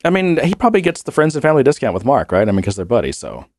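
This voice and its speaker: A man's voice: mid-range voice, wildly swooping pitch, racing, a little mellow, no room sound, studio quality. A man co-hosting a podcast in casual chat, rambling and laughing often while he has a cold and cough. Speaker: podcast co-host.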